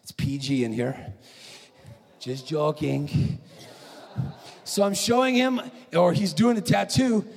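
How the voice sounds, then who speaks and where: A man preaching at a conference, telling a story with animated, acted-out quotes. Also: fairly high pitch, slow, gravelly, pauses often. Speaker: conference speaker. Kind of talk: preaching sermon. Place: large conference hall. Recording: echoey hall.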